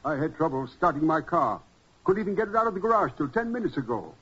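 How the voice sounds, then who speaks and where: An actor playing an anxious, courteous gentleman who collects books, flustered and apologetic, in 1940s radio style. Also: a little high, animated, fast, husky, heavily acted. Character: anxious, polite gentleman book collector, male. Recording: muffled 1940s radio recording.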